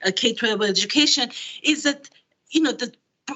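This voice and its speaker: A woman's high-pitched voice with a non-native accent. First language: not English. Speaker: history professor, public commenter. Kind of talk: public comment at board meeting. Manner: halting, many fillers.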